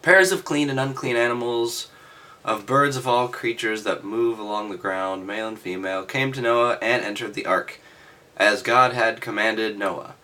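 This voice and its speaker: A man reading aloud and adding halting, offhand, skeptical commentary with sardonic asides. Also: fairly low pitch, fairly even intonation, bright, forceful tone, rough recording. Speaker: reader and commentator.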